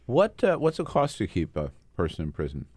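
A man's voice: low-pitched, huge pitch swings, fairly quick, darkish tone, no echo, clean studio sound. An older man hosting a talk radio show, quizzing his guest with wry, sarcastic asides.

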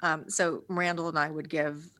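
A woman's voice: low voice, level tone, normal speed, sharp tone, no echo. A woman co-hosting a podcast, chatting casually in an enthusiastic, appreciative way. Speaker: podcast co-host. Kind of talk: casual chat.

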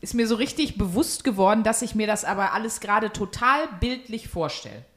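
A woman's voice: mid-range voice, animated, a little fast, fairly bright tone. A woman hosting a podcast in casual chat, with an ironic, joking way of talking. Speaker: podcast host.

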